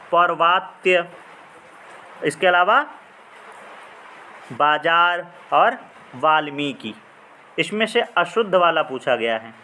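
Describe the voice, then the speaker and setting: A man explaining Hindi exam practice questions as a teacher, reading each question and then slowly drawing out the correct words. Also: high voice, sharp tone, slight background noise.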